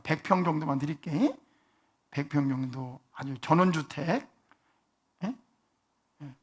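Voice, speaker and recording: Male pastor, husky, slightly high voice, chatty sermon delivery with frequent questions to the pews. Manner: conversational, asks the congregation rhetorical questions. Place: church sanctuary.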